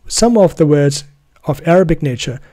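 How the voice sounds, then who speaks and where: A man whose first language is Urdu gives an earnest, deliberate solo talk about his method of study, often restarting phrases to stress a point. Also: on the high side, animated, warm tone, no room sound. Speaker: Quran student presenting his method.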